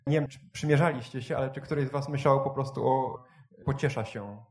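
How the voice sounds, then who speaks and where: A man moderating a panel discussion, speaking in a measured, analytical way. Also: mid-range voice, a little mellow. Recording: roomy echo.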